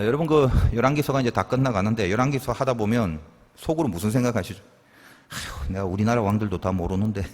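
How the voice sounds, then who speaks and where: A male pastor preaching a conversational sermon, teaching with rhetorical questions and casual asides. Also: medium pitch. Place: church. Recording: church hall reverb.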